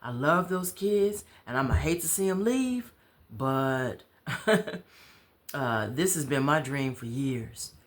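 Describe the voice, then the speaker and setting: A woman's voice: extremely low pitch, lively intonation, takes it slowly, heavily acted. A woman voicing an easygoing, sociable businessman in casual, colloquial storybook dialogue. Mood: proud, wistful. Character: easygoing male friend, sociable businessman with teaching dreams.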